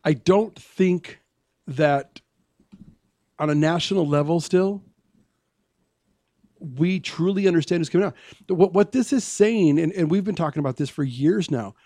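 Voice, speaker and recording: A man with a fairly high voice co-hosting a talk radio show, laying out his points patiently and pushing back when he disagrees. His voice sounds close and dry in the studio. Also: warm tone, dry recording. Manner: explaining, argumentative, measured. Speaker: co-host. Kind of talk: casual radio political talk.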